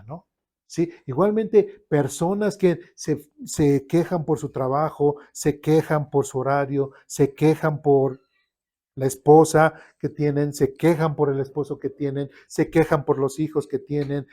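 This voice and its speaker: Man, sermon, slightly high voice, mellow tone, questions to the congregation. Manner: animated, asks the congregation questions, acts out complaints. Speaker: preacher.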